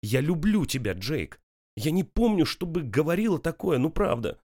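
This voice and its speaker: A man's voice: mid-range voice, fairly quick, voice pushed up, lightly acted. A man voicing a young woman, anxious and near tears, pleading in a rising voice. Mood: desperate pleading.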